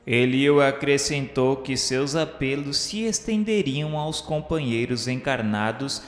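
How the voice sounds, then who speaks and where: A man's voice: mid-range voice, measured pace. A man narrating a scripted radio drama in a solemn, literary manner. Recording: echoey reverberant production, music bed. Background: music.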